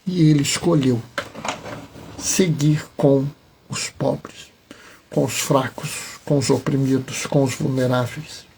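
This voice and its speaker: A man, a deacon giving a homily with slow, deliberate phrasing and emphatic pauses. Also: a little high, vocal fry, darkish tone, breathy edge.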